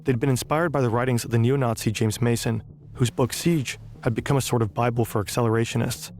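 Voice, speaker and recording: A man giving measured, scripted documentary narration. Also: mid-range voice, fairly even intonation, darkish tone, slight background noise.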